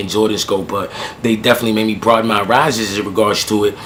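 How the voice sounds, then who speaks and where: A man's very fast, fairly low-pitched delivery with monotone, flat intonation in a New York accent, against noticeable background noise. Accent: heavy New York. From Florida, raised by a New York mother. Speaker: sneaker vlogger. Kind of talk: casual vlog talk. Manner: hesitant, many fillers.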